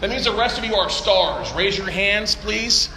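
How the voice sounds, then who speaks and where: A man from Texas giving a live seminar talk, loud and joking, swearing casually. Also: sits high, expressive, normal speed. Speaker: seminar speaker. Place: large conference hall. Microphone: handheld or stage mic through PA. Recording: echoey hall, noisy room.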